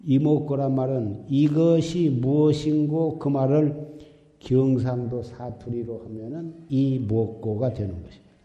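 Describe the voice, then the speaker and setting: Man, Buddhist sermon, slow and deliberate, very mellow deep tone, long hall reverb. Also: lo-fi sound. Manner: exhorting, repetitive, admonishing. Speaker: Buddhist dharma teacher. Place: temple dharma hall.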